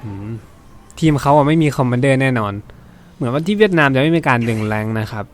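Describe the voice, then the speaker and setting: A man's voice: mid-range voice, expressive, fast, a little hiss or hum. A young man chatting casually and teasingly while commenting on his mobile game. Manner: chatty, teasing, laughs often. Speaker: gaming streamer. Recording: music playing behind.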